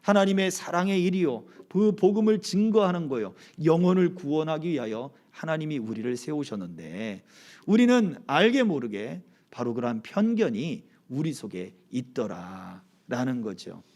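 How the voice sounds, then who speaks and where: Delivering a Sunday church sermon, this pastor has a slightly high, a little mellow voice with a sing-song lilt at a moderate pace. He's animated, poses questions to the congregation, and guides them through reading aloud in unison.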